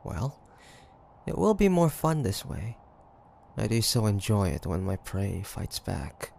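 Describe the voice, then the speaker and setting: A man playing a cocky, stubborn demon hunter of the 1850s in a dramatic audio roleplay, theatrical and halting. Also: lowish voice, very animated, vocal fry, darkish tone, a little hiss or hum, full character voice. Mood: taunting, smug. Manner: theatrical, taunting, halting with sighs and pauses.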